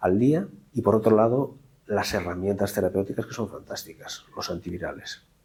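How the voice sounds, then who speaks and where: His voice is fairly low in pitch with a dark, mellow tone. The man talks at a fairly slow pace. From Ferrol, Galicia, Spain. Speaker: hepatologist. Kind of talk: interview answer.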